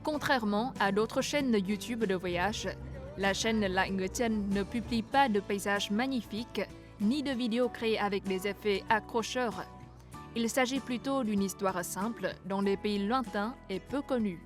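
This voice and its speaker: A woman narrating a news feature as a voice-over, reading in a measured way. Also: medium pitch, over music.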